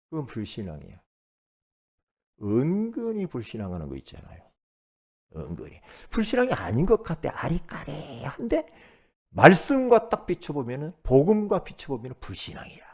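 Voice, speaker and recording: Animated pastor preaching a sermon. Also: male voice. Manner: animated preaching, swings between loud emphatic bursts and low asides; calls the congregation to repeat after him.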